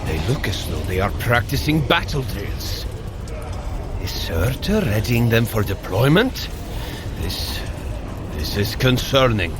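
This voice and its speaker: Norse warrior god, grand, formal, measured, highly expressive, fantasy audio drama, background ambience noise. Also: male voice. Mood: concerned, planning. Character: commanding, hearty Norse thunder god, brotherly warrior. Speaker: actor in an audio fitness adventure.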